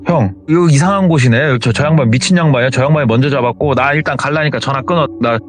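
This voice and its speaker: A man's voice: mid-range voice, fast, soft background music, close to an everyday voice. A man voicing a panicked young man who talks in a flustered, rambling way.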